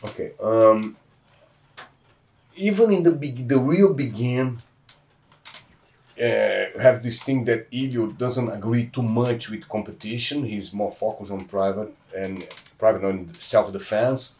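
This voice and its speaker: A man's voice: fairly low pitch, slow, a little mellow, recorded from a distance. A middle-aged Brazilian man, a jiu-jitsu black belt, telling stories in emphatic, broken English with a heavy Brazilian accent. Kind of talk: casual interview.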